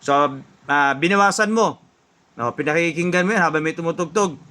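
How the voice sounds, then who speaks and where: Male tutorial host, bright and slightly high voice, chatty, acts out his viewers' thoughts. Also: fairly quick, slight background noise. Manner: chatty, keeps asking "no?", acts out beginners' thoughts; jokes and laughs at himself. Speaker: audio mixer tutorial host. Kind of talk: casual spoken lesson.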